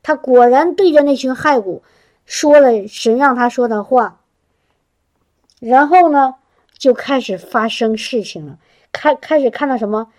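A woman preaching a sermon in an animated, exclamatory way, often repeating words and laughing between phrases. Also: high voice, a little slow.

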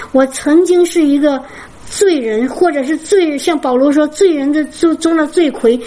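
A woman sharing an emotional personal testimony with a congregation, fervent and repetitive, with many halting restarts. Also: high voice, dark tone, low-quality recording. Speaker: Christian testimony speaker.

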